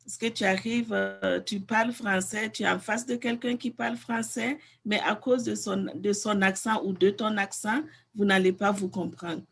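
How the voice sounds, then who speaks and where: A woman from Africa speaking in a measured, deliberate way in a casual group conversation. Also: mid-range voice, steady tone, gravelly, breathy edge. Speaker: guest in group discussion.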